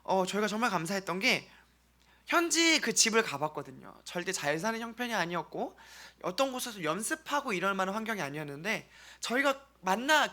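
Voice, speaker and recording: A South Korean man, a church member, gives an earnest mission-trip testimony to his congregation, speaking haltingly with pauses. His voice sits high, with a bright, forceful tone.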